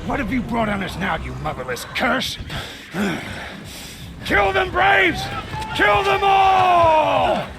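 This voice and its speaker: A gravelly, very high-pitched tribal warrior yelling in battle; game cutscene. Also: male voice, very animated, takes it slowly, long pauses, a loud crowd, heavy background noise, heavily acted. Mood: frantic shouting. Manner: frantic battle shouting. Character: panicked male tribal warrior under attack. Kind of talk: video game cutscene acting. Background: loud game music and machine noises.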